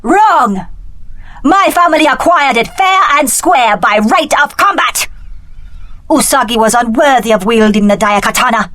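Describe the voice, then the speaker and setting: A woman's voice: sits high, fairly bright tone, no echo. A woman voicing a cunning young warrior heiress in a video game, with an articulate, dramatic delivery.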